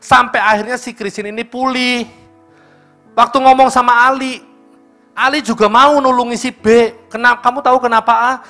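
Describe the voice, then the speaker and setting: A man's voice: extremely high pitch, normal speed, soft background music. A male pastor with an East Javanese accent preaching at a church service, telling a story and speaking straight to the congregation. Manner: lively storytelling, addressing the congregation directly. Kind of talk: sermon.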